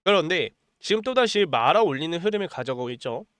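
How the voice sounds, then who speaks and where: A man's voice: fairly high pitch, animated, fast talker, a bit bright, smooth, no echo. A male stock market commentator with a cold, his voice a bit strained, pushing urgent buy-and-sell calls in a repetitive promotional monologue. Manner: pushy, repeats "자" as a filler, urgent promotional tone. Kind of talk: stock analysis monologue with sales pitch.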